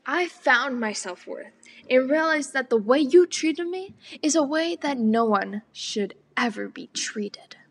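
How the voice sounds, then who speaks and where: A teenage girl slowly reciting a spoken word poem, often half-whispered. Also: sits high, animated. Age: teens. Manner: slow and deliberate, partly whispered.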